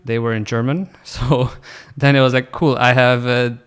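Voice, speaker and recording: Smooth-voiced young man from Pakistan. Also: mid-range voice, flat delivery, moderate pace. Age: 20s. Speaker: podcast guest. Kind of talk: casual interview chat.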